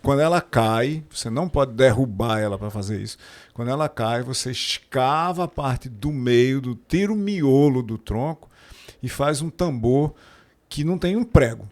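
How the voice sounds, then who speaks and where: A man, a podcast guest, explaining things carefully and quickly correcting details. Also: mid-range voice, animated, darkish tone. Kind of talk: casual podcast conversation.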